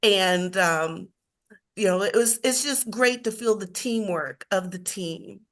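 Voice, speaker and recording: A woman's voice: mid-range voice, slow pace. Chatty upbeat woman on a video call. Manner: upbeat, chatty, animated storytelling. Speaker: insurance agent and team member on a call. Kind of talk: casual chat on a group video call.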